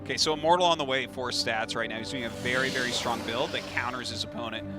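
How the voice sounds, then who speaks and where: A man giving color commentary on an esports match, upbeat and quick to laugh. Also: medium pitch, music in the background. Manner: lively, laughs easily. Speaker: esports co-caster.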